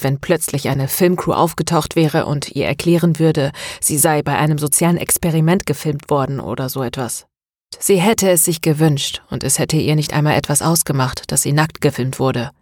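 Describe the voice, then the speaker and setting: A woman narrating a novel as an audiobook, in a steady, even reading voice. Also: low voice, no room sound, clean studio sound. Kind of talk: scripted narration.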